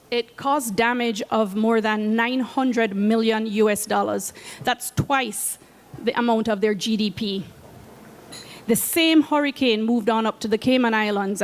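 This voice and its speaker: A woman with a Jamaican accent giving a prepared talk as a program head, earnest and measured. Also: fairly high pitch, long reverb tail. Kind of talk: prepared presentation. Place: event space at a conference.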